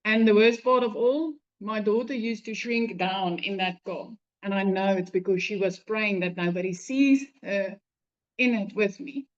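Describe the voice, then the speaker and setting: A woman's voice: medium pitch, steady tone, unhurried, muffled recording. A South African woman telling her own story on an online webinar, speaking directly to listeners. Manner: direct, addresses listeners as "you guys". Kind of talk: conversational storytelling.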